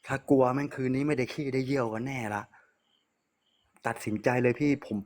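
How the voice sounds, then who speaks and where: A man recounts a frightening night in a relaxed, conversational way. He keeps turning to address the host as he tells it, the way a caller talks on a storytelling show. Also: mid-range voice, a little fast. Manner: addresses the host often, plain conversational telling. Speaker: caller telling a ghost story. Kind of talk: casual spoken storytelling to a radio-style host.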